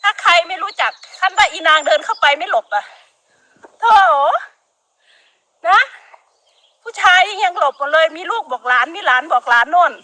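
A woman's voice: very high-pitched, lively intonation, normal speed, pauses often, sharp tone, dry recording. A middle-aged woman with a Northeastern Thai Isan accent, ranting emphatically during a casual live stream. She scolds and laughs often.

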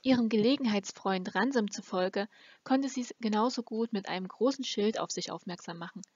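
Woman, amateur audiobook narrator, scripted storytelling, mid-pitched voice, lo-fi recording. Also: brisk, darkish tone, dry recording. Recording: dull, lo-fi close recording.

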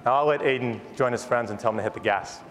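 A man's voice: mid-range voice, fast talker, a bit bright, soft background music. A man in his thirties, a company founder, giving an enthusiastic, rehearsed keynote product presentation on a large conference stage. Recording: long hall reverb, audience noise.

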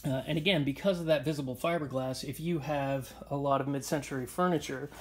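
A man's voice: mid-range voice, fairly even intonation, brisk. A man walking through his antique finds on a handheld phone, talking casually with many ums and uhs. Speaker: antiques dealer showing finds. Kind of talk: casual walkthrough vlog. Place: indoor shop or barn, tiled floor. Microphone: handheld phone camera. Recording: noisy phone recording.

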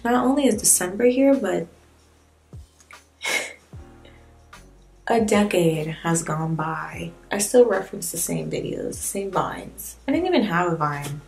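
Faint music plays behind a twenty-something beauty vlogger whose gravelly, low-leaning voice is animated but measured, with frequent pauses. Sitting in a small indoor room with a plain wall, she does a casual makeup tutorial, candid and wryly self-mocking as she rambles.

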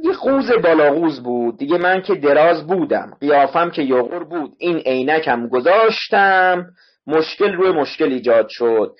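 Man teaching a literature class online, a bit husky, drills words and spellings over a muffled lo-fi mic. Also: fairly high pitch, animated. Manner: explains word by word, repeats spellings to students. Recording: dull lo-fi online class audio.

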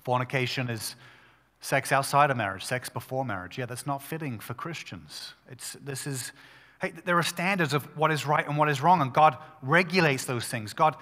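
Bright-voiced male pastor at a pulpit microphone. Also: mid-range voice, long reverb tail. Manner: conversational, emphatic preaching with quick restarts. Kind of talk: sermon.

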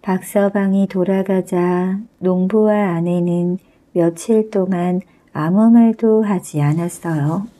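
A woman narrating a folk tale as a gentle, soothing bedtime story. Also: mid-range voice. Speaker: storyteller, channel host.

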